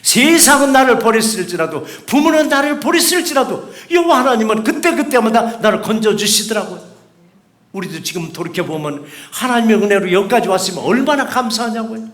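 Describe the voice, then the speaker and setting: Male pastor, sermon delivery, higher voice, emphatic rhetorical questions, roomy church echo. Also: very animated, a little fast, fairly bright tone. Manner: acts out quoted voices in dialogue. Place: church sanctuary.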